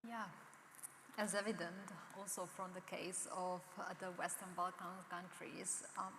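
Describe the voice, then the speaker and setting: A woman moderating a conference panel, introducing the next speaker in a measured, formal way. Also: lowish voice, flat delivery. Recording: echoey hall with faint noise.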